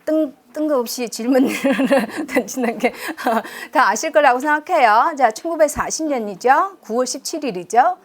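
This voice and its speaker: A middle-aged Chinese woman, a university professor, gives a public history lecture in Korean with a Chinese accent in a lecture room. Her high-pitched voice moves at normal speed with few pauses as she lectures chattily and self-deprecatingly, quizzes the audience, and uses many fillers.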